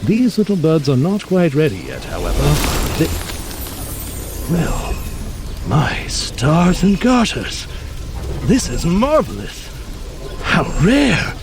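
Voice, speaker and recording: A man's voice: fairly high pitch, noisy background, full character voice. A man playing an erudite, genial mutant scientist in an audio drama, speaking in a florid, pompous, theatrical manner with bookish words. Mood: excited. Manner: florid, pompous, bookish vocabulary with emphatic delivery. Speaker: scientist guide.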